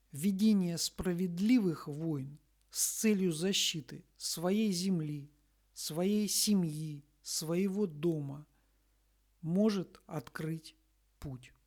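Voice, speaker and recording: A woman reads a scripted spiritual message in a solemn, deliberate manner, pausing between short phrases. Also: fairly low pitch, mellow. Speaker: spiritual messenger reading a message.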